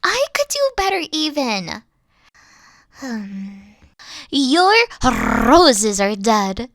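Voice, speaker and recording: Woman acting as a dorky evil queen, high voice, swooping intonation, pompous, theatrical, easily flustered, roleplay audio. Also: huge pitch swings, drawn-out words, dry recording, studio quality, heavily acted. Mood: boastful, frustrated. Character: dorky, haughty, secretly soft evil queen.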